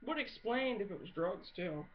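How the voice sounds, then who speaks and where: A woman's voice: medium pitch, expressive, moderate pace. Blunt woman rambling, muffled noisy recording. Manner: blunt, sweary, sarcastic. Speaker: amateur video blogger. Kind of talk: casual comedic rambling monologue. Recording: muffled audio with clear background noise.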